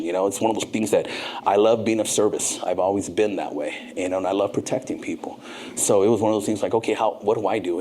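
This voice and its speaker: A man in his fifties from Southern California, a podcast guest telling his life story in an earnest, animated way. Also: low-pitched, a little hiss or hum. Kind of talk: casual interview storytelling.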